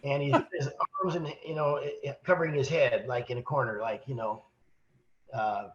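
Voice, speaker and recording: Hoarse, sick-sounding male co-host, rambling storyteller, mid pitch, slightly dull lo-fi audio. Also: moderate pace, slight background noise. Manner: rambling, animated storyteller with restarts. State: hoarse with a cold. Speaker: podcast co-host, sales manager. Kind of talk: casual storytelling chat.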